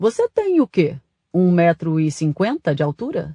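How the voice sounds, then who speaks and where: A put-on character voice, hoarse and at a middle pitch, moves along at a moderate pace. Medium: read story. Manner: flat, almost toneless, calm.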